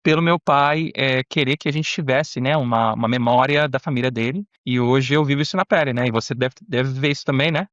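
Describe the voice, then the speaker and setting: A man's voice: medium pitch, brisk, few pauses, fairly bright tone, no echo, dull audio. A Brazilian man with a São Paulo accent hosting a podcast interview in an informal, slangy, conversational way. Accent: Brazilian Portuguese, São Paulo. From Brazil, São Paulo state. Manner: informal, peppers talk with slang.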